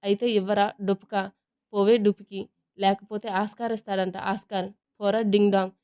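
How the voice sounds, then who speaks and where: A woman voicing a loud, bickering young girl who quarrels with her brother. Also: medium pitch, flat delivery, fairly quick, clean tone, natural voice. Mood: shouting.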